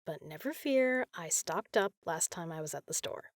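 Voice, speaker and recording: Woman acting as caring big sister, lowish voice, soft, casual, playfully teasing, dry close sound, comfort audio roleplay. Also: expressive, normal speed, dry recording.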